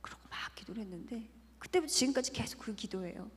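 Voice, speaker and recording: A woman's voice: a little high, animated, fast. Earnest woman testifying in an echoing hall. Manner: earnest, often drops to a near whisper. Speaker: church deaconess giving testimony. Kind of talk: emotional personal testimony. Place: large church hall at a retreat. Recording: long church-hall reverb.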